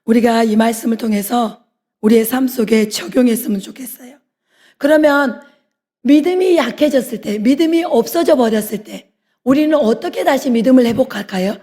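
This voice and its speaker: A middle-aged woman preaches a sermon with a high, mellow voice. She exhorts earnestly and slows down for emphasis. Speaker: pastor's wife preaching.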